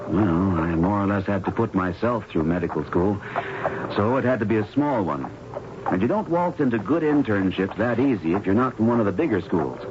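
An actor playing an earnest, polite young doctor in a 1970s radio drama, slightly hesitant. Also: male voice, lowish voice, lively intonation, a little fast, close to an everyday voice. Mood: eager. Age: young adult. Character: earnest young male doctor fresh from medical school. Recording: muffled, very noisy old radio broadcast.

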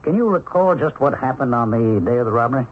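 An actor playing a measured, inquisitive police lieutenant in a 1970s radio drama. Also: male voice, mid-range voice, expressive, phone-quality sound, natural voice. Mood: probing. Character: probing, measured male police lieutenant questioning a witness. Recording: thin, hissy 1970s radio broadcast.

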